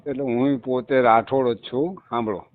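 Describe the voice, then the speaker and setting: A man's voice: mid-range voice, fairly even intonation, moderate pace. A man, a caller on a phone call, talking insistently and repeating his points with emphasis. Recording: tinny phone call recording.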